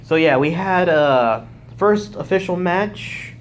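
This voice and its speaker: A man's voice: high voice, slow, a little hiss or hum. A young man casually recapping a wrestling show live, rambling and correcting himself as he goes. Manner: rambling, self-correcting, excitable.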